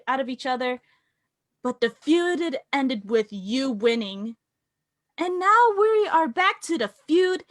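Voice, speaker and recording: A woman playing an arrogant, combative royal prince wrestler in a staged promo reading, pompous and measured. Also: high voice, fairly bright tone, no room sound, heavily acted. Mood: defiant. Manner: pompous, measured trash talk.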